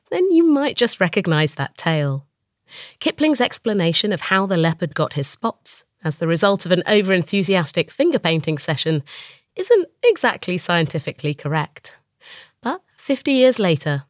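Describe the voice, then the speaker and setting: A woman host, croaky from a chest infection, narrating a scripted science podcast with a storytelling manner. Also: lowish voice, dry recording, clean studio sound. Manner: storytelling, lively emphasis on lists.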